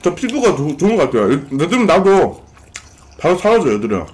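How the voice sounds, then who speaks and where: A man's voice: fairly high pitch, big pitch swings, fairly quick, darkish tone. A young man chatting casually with his co-host during a live mukbang stream, talking between bites in a small room. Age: young adult. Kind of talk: casual chat while eating. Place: small room indoors at a food-covered table.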